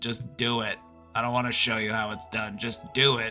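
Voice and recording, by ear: Clear music plays behind a man doing a put-on character voice. He keeps a medium pitch with ordinary pitch variation at a moderate pace.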